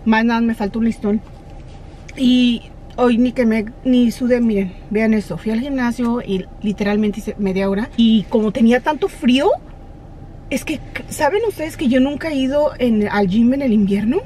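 The recording is low quality, and the woman's voice is fairly high with a dark tone, at a moderate pace. In her thirties, she vlogs casually to camera while driving on errands, chatting away and switching into English with staff and kids; the dashboard camera catches clear road noise in the car, drive-through and parking lot.

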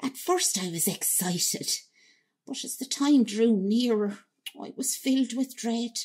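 A woman's voice: a little high, darkish tone, breathy edge. An actress playing a wistful Irish emigrant woman, telling her memories in a reflective radio drama monologue with an Irish accent. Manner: reflective, unhurried storytelling. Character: wistful Irish emigrant woman recalling leaving home at seventeen.

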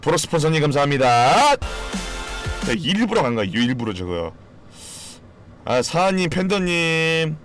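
A game streamer, a man, talks loosely to his viewers with a lively, swooping delivery. He swears often and bursts out loudly now and then. Faint music plays behind him. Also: on the high side, a little slow, pauses often. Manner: swears freely, jokes with chat, sudden loud outbursts. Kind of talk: casual live-stream chat.

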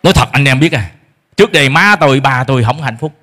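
This middle-aged Vietnamese pastor delivers an emphatic sermon, shifting his voice to act out the complaints of parents. He speaks at a quick clip with a medium-pitched, animated, sharp-edged delivery.

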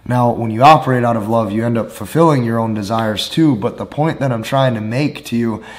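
A man in his thirties with a hoarse, nearly lost voice, speaking slowly and deliberately as a dating coach addressing the camera indoors. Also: medium pitch. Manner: slow deliberate delivery with emphatic hand gestures. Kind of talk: direct-to-camera advice talk. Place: indoor studio with lit brick wall.

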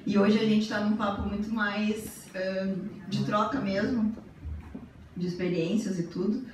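A woman's voice: medium pitch, steady tone, a little slow. Woman speaking in an echoey hall. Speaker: speaker at a talk. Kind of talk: public talk. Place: conference hall. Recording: echoey hall, distant mic, faint noise.

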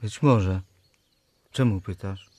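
A man's voice: fairly low pitch, takes it slowly, darkish tone, breathy edge, no echo. A man playing a guarded, wry thirty-seven-year-old in a radio drama.

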